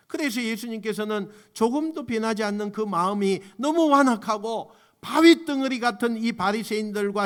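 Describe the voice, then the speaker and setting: High-voiced male pastor preaching in a church, shifting from hushed asides to fervent, loud appeals. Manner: swings from soft low asides to loud impassioned exhortation; leads congregation in unison scripture reading. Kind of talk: sermon. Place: church sanctuary.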